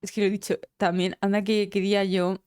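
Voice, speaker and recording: A woman's voice: mid-range voice, flat delivery, a little fast, a little mellow, clear, resonant tone, no room sound, studio quality. A woman with a Spain Spanish accent chatting casually on a live stream, teary after crying, emotional and rambling and swearing freely. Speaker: game streamer.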